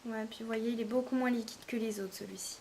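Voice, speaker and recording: Chatty high-voiced woman reviewing polish. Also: steady tone, quick pace, a little mellow, a little hiss or hum. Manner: chatty, hesitant, many fillers. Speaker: beauty vlogger. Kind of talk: casual product review.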